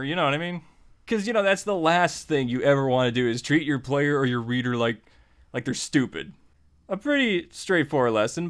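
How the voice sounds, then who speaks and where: Male tutorial host, mid-pitched, conversational and informal, explaining casually and repeating himself for emphasis. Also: fairly bright tone, smooth. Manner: informal, repeats phrases for emphasis, acts out example remarks. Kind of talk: casual, conversational writing lesson.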